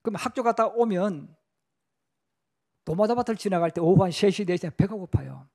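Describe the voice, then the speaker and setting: A man's voice: sits high, lively intonation, moderate pace, gravelly, darkish tone. A middle-aged man from South Korea, a pastor giving a sermon in a church, telling stories with acted-out quotes and chatty asides. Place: church sanctuary.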